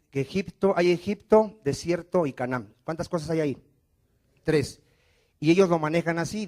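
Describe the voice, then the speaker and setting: In a high-sitting, darkish voice, a man with a Mexican Spanish accent delivers a sermon as pastor. It's call-and-response style, full of rhetorical questions and lines the congregation echoes after him.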